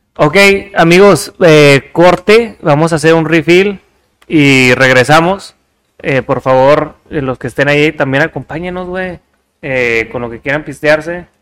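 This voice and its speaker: With a strong Texas border accent, a man speaks fairly slowly in a fairly high voice with ordinary pitch variation. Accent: Texas border Spanish, marked Laredo. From Laredo, Texas border. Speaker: podcast host. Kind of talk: casual chat, bilingual Spanish-English. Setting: studio. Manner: casual, slangy, fillers.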